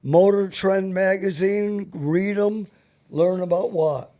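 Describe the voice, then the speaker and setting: Slow-talking older man, blunt show host. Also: high-pitched, steady tone, dark tone. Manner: blunt, profane. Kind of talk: casual banter and storytelling.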